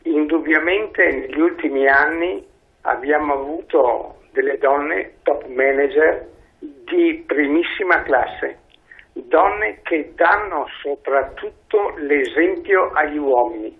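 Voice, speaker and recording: A man calling in to a talk show over the phone, speaking slowly and earnestly. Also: fairly high pitch. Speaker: caller. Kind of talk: call-in comment on radio talk show. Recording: tinny phone line.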